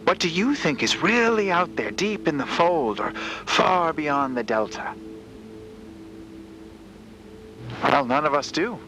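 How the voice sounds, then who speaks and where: An actor playing a flustered, eager and deferential space explorer who stammers and rambles in a podcast drama. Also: male voice, fairly high pitch, big pitch swings, moderate pace, noisy background. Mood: eager, curious. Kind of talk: fiction podcast character acting.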